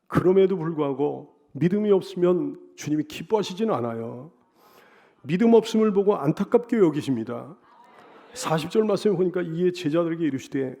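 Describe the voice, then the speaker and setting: A man preaching a Sunday sermon in a high voice. He hammers home repeated phrases and rhetorical questions, swelling loud on the key lines and sinking low between them. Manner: emphatic repetition and rhetorical questions. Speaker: pastor.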